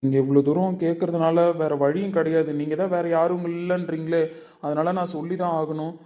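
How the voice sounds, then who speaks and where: A man playing a doctor who hesitantly delivers bad news in a measured way. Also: a little high, fairly even intonation, dark tone, close to an everyday voice.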